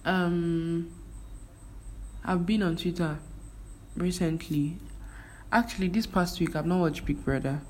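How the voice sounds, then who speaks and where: A woman's voice: fairly low pitch, steady tone, slow pace, pauses often, a little mellow, low-quality recording. A young Nigerian woman with a Nigerian accent, whose first language is Igbo, chatting casually on her vlog with lots of fillers and restarts. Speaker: vlogger. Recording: faint background noise.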